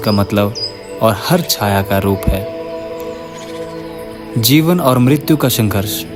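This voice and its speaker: Over music in the background, a man at a medium pitch speaks with lively intonation. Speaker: voice-over narrator. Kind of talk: wildlife documentary narration.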